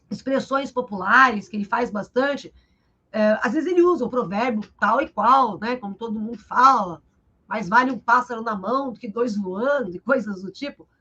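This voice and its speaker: Brazilian lady teacher, kinda high voice, explains stuff in a lively way on a video call, muffled lo-fi stream sound. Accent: Brazilian Portuguese. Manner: lively and explanatory, tags sentences with "né?". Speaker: literature teacher. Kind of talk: live interview, explaining literature.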